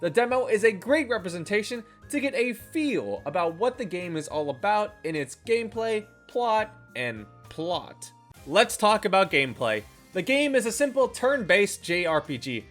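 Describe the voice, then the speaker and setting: A game reviewer narrating a scripted video in an expressive, tongue-in-cheek way. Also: medium pitch, normal speed. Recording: voice-over with faint music underneath. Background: faint background music.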